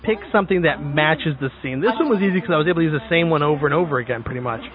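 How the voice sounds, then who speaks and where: Higher-voiced man on a thin line. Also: rapid-fire. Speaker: audio drama director. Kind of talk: casual commentary chat. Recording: thin phone-like band-limited sound.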